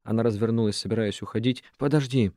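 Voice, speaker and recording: A man reading a novel aloud in steady, measured narration. His voice sits close to the mic with no room sound at all. The reading stays even and controlled. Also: on the low side, no echo. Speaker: audiobook narrator. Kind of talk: scripted narration.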